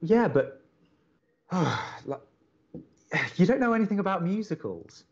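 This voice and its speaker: An actor playing a young, wordy and opinionated college radio co-host in an audio drama, talking in halting conversational bursts. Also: male voice, sits high, sing-song, slightly rough, lo-fi sound, heavily acted. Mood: reluctant, exasperated. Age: young adult. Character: earnest, exasperated young male college radio co-host, a theatre buff.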